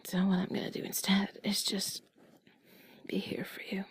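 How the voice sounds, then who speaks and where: A woman voicing a tender, affectionate partner in a whispered role-play, breathy, gentle, intimate and reassuring. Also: medium pitch, monotone, normal speed, dry recording. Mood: soothing, tender. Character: tender affectionate female partner comforting a loved one.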